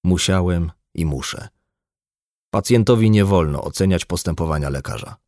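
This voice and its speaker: A man voicing a blunt, embittered, drunk male doctor in an audiobook, gruff and lecturing. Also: deep voice, animated, normal speed, darkish tone, no room sound, studio quality. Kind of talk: audiobook dialogue.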